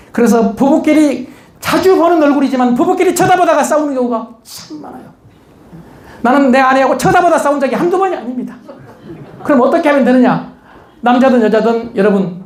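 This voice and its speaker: A man giving a lively motivational lecture, teasing his audience with questions and jokes. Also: very high-pitched. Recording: echoey lecture hall.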